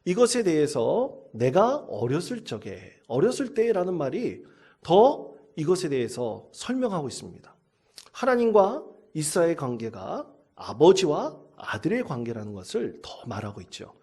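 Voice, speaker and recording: A man's voice: on the high side, very animated, moderate pace, dark tone, slightly rough. A male pastor delivering a sermon, reading scripture solemnly and telling a story to the congregation.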